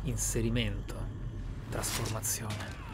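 A man narrating a video game playthrough in a measured, deliberate, theatrical way. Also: on the low side, level tone, very noisy. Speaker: gaming channel host. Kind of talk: Let's Play roleplay narration and commentary. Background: video game ambience.

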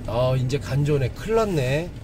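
A man's voice: mid-range voice, lively intonation, normal speed, noisy background. A man narrating a casual vlog to his viewers, talking in a colloquial, blunt, slangy way. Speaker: vlog host.

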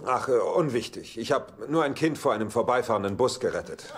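An actor in a German sitcom dub playing a heartbroken, impulsive womanizer with a halting, dryly flippant way of talking. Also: mid-range voice, lively intonation, close to an everyday voice. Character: heartbroken, wisecracking womanizing bachelor, impulsive and self-pitying. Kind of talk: German-dubbed sitcom acting.

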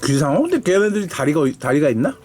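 A man's voice: a little high, very animated, fast talker, a little mellow. A man hosting a snack review, chatting casually and thinking aloud in an informal, unscripted way. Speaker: host of a snack review video. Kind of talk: casual food review chat with a child.

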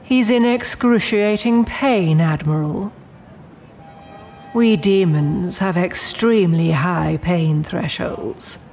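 A woman's voice: lowish voice, slow, darkish tone, soft background music. A woman playing a poised, menacing immortal demon in an audio drama, speaking in a genteel, coolly imperious way. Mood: cold menace.

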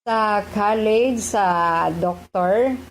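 A woman's voice: mid-range voice, drawn-out words, crowd noise, rough recording. A woman doctor recounting her recovery from cancer in an interview, hesitating often with fillers and slipping into English phrases. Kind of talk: personal testimony in an interview.

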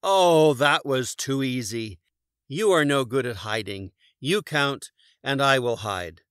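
A bossy, short-tempered he-bear from a children's storybook, acted out by a man. He blusters emphatically with exasperation, in a forceful, animated voice. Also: medium pitch, slow, smooth, no echo, clean studio sound. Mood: grumbling, angry.

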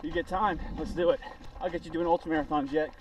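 A man's voice: on the high side, steady tone, fast, darkish tone, dull audio. A man in his forties talks casually and encouragingly to a camera at arm's length while running outdoors, sounding exerted. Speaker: running vlogger. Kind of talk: casual motivational chat to camera. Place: outdoors on roadside paths, in wind. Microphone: action camera held at arm's length. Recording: windy outdoor action camera, distant, noisy.

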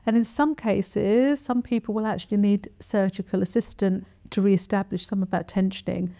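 A middle-aged woman giving an explanatory talk to camera as a specialist, in a measured, plain-spoken and instructive manner. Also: mid-range voice, steady tone, mellow. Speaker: voice specialist presenter. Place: small quiet furnished room, indoors. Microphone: lapel mic.

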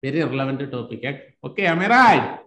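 A man's voice: mid-range voice, very animated, quick pace, pushed and bright, echoey room. A man, teaching a live online spoken class and cheering his students on with repeated questions like "am I right?".

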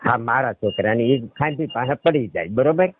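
A man's voice: medium pitch, lively intonation, normal speed, no echo. A middle-aged man with a Saurashtra Gujarati accent, telling a rambling personal account as a caller and often checking that he is understood. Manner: repeatedly checks the listener understands. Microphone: telephone. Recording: tinny narrowband phone call recording.

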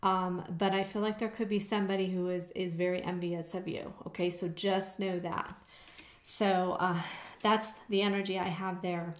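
A woman's voice: fairly low pitch, flat delivery, normal speed. A woman giving a tarot card reading to her viewers in a casual way, often stopping to check in with "okay?". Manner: conversational, frequent "okay?" check-ins. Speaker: tarot reader. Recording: echoey room.

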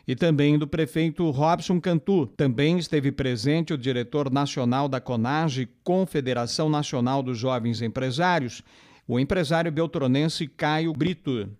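A male reporter reading a scripted local news report in a measured, formal way. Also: a little high, a little mellow.

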